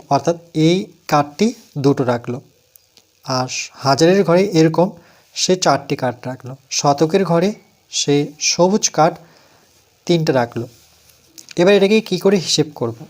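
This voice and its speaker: A man's voice: a little high, darkish tone. Man with a West Bengal accent teaching math. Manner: counts aloud slowly, asks and answers his own questions. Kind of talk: step-by-step math lesson.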